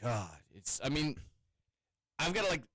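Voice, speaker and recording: In a studio, a man who's a parent hosts a sports radio show, chatting casually and rambling with lots of restarts. His voice sits on the high side, sing-song and fairly bright, and he talks a little slowly. The studio mic picks up no room sound.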